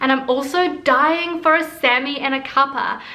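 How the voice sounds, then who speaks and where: Speaking at a fairly slow pace with a New Zealand accent, a woman uses a raised, projected voice and an upbeat tone. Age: 20s. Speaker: YouTuber. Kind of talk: casual talk to camera. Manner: upbeat, chatty.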